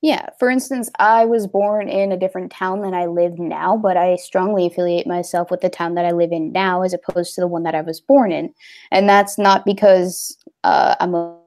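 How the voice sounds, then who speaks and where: A woman's voice: lowish voice, steady tone, normal speed, a little mellow, a little hiss or hum. A young woman hosting a casual livestream, talking in a rambling, hesitant way with many fillers. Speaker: livestream host.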